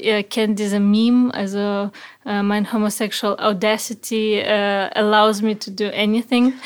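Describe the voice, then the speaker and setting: A woman speaks very slowly in a Russian accent. Her fairly high voice keeps a monotone, flat intonation. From Kazakhstan. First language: Russian (speaking German). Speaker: art historian and cultural project worker. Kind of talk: casual chat. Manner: halting.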